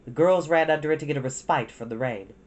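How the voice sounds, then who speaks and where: A woman reading a children's storybook aloud in an expressive narrating style. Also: deep voice, fast talker. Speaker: storytime reader.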